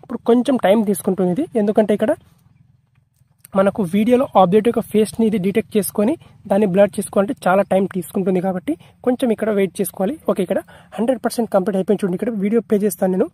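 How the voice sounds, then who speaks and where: A man's voice: high-pitched, rapid-fire, warm tone, breathy edge. A man narrating an app tutorial in a repetitive, instructional way, mixing in English tech terms.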